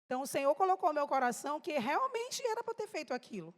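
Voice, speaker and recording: A woman's voice: sits high, very animated, fast talker. A woman preacher telling an emotional testimony to a congregation, speaking to them directly. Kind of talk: sermon testimony. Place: church hall. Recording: reverberant church hall.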